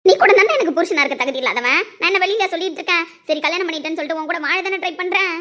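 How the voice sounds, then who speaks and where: A woman's voice: very high voice, sharp tone. A woman playing a defiant young wife. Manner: defiant and taunting, quick retorts. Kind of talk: amateur audio drama acting.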